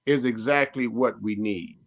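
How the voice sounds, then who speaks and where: This sixty-something comedian, a guest in a casual radio talk show discussion, speaks in an unhurried, low-leaning voice, and the recording has its highs cut off. He's emphatic and preachy, saying the same phrases again and again.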